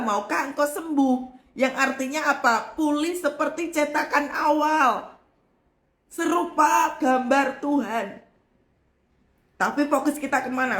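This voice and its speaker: Woman preacher, high voice, lively sermon, echoey room. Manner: animated, acts out complaints in a raised voice. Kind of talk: livestreamed devotional sermon.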